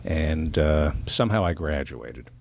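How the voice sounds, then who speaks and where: A middle-aged man from New Jersey, a comedian guest on a casual podcast, trading sardonic, self-mocking jokes in a dry deadpan. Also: rumbling low, a little slow, vocal fry.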